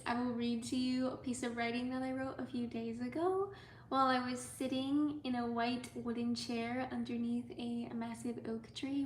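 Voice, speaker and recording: A young woman from the United States, hosting a casual livestream as an artist. She talks softly and rambles with lots of "like" and "um", sometimes dropping almost to a whisper. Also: on the high side. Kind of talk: casual livestream chat with viewers. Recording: echoey room with faint ambient noise.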